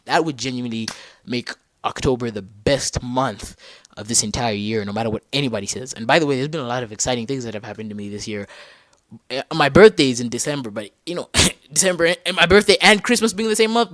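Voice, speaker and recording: Young man from Zambia, podcast host. Mid-pitched voice, casual and slangy, thinks out loud and backtracks, dry close recording. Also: no room sound. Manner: animated, slangy, thinks aloud and corrects himself mid-sentence. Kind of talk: casual solo football talk.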